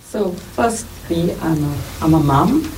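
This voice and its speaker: A middle-aged South African woman, a nurse and midwife, giving earnest, measured interview answers. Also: on the low side. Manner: measured, earnest, lists things in steady runs. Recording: distant mic with clear background noise.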